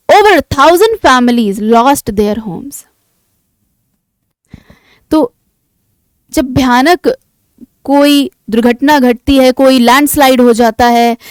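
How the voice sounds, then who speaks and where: A woman with an Indian accent teaching English vocabulary in a lecture, asking the class questions and answering them herself, reading definitions slowly and deliberately. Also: a little high, clean tone, dry recording.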